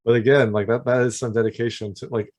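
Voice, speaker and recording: Fast-talking American man interviewer. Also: medium pitch, level tone, darkish tone. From United States. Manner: chatty, laughs easily. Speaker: interviewer host. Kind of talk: casual interview.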